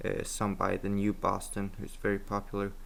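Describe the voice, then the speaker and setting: Quiet speech at a moderate pace. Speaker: programming tutor. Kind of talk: screencast tutorial narration. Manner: hesitant, many fillers.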